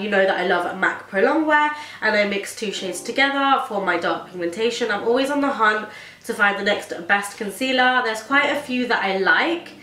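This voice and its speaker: A woman's voice: mid-range voice, bright, forceful tone, recorded from a distance. A young woman with a stuffy, congested voice, chatting casually through a makeup tutorial as a beauty vlogger. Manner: chatty, gushing, talks while applying makeup. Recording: echoey room, a bit off mic.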